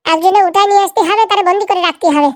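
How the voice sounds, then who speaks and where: A performer puts on a bossy cartoon madam with an extremely high voice and a dry, close sound. She gives orders and haggles impatiently at a very fast clip, every bit the schemer. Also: steady tone, dry recording. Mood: commanding, impatient. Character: bossy, scheming rich madam hiring a kidnapper. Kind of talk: comedy cartoon dialogue.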